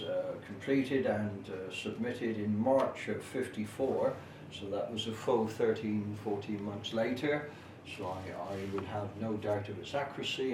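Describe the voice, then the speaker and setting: A middle-aged or older man with a lowish voice presents local history in an informal but detailed explanatory talk, using measured, formal phrasing broken by hesitant pauses. A distant camera microphone captures him in an echoey, noisy room.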